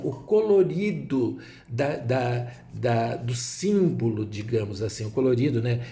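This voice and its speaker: A man's voice: medium pitch, warm tone. A man with a Brazilian Portuguese accent explaining Lenormand cards in a rambling way, full of asides and rhetorical tags. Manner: digressive, many asides and rhetorical "né?". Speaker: tarot reader.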